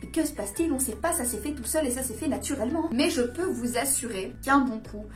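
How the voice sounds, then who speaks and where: A woman's voice: high voice, a little fast, faint music behind. A woman coach talking casually to camera in a hyped-up, over-caffeinated way with emphatic bursts. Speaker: dating and seduction coach presenting her channel. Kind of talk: casual vlog explainer to camera.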